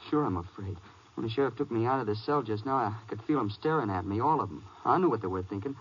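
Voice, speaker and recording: A man's voice: medium pitch, expressive, fast talker, slightly rough. A man acting a frightened, remorseful young prisoner in his twenties, stammering nervously in a 1950s western radio drama. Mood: scared. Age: young adult. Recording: muffled old radio broadcast.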